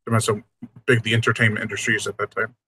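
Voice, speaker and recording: A man's voice: fairly low pitch, flat delivery, rapid-fire, sharp tone, slight background noise. A man hosting a casual movie riff, joking and laughing often as he talks over the film. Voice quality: husky. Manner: jokey, laughs often, quotes lines in silly voices. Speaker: host.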